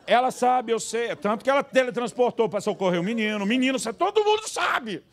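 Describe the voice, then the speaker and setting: A man pastor, telling funny stories in a church sermon and acting out the people in them. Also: a little fast. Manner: animated, acts out quoted dialogue with sudden high voices. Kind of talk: humorous storytelling sermon. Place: church service.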